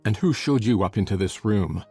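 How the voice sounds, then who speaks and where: A man playing a shaken, harsh master of the house who talks loudly and angrily through gritted teeth. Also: on the low side, expressive, normal speed, breathy edge, soft background music. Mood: angry.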